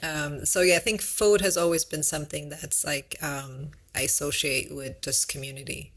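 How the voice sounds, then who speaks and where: A woman, a guest speaking casually in a thoughtful way with many pauses and restarts. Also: low voice, fairly even intonation. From East Africa. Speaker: guest, nonprofit founder. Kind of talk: casual interview.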